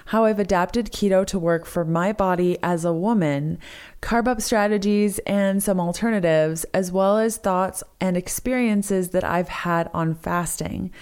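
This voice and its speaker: A young adult woman with a hoarse, strained voice, hosting a solo podcast in an upbeat, enthusiastic way. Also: on the low side, a little mellow. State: hoarse, lost her voice. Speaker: podcast host. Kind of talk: solo podcast chat with sponsor reads.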